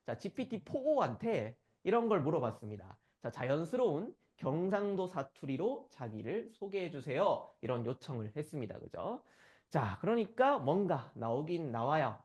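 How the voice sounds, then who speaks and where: A man from the Gyeongsang region delivers a conference lecture in a voice pitched a bit high that swings up and down with lively energy. He keeps turning to the audience for agreement. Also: moderate pace. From Gyeongsang region, South Korea. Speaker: conference speaker.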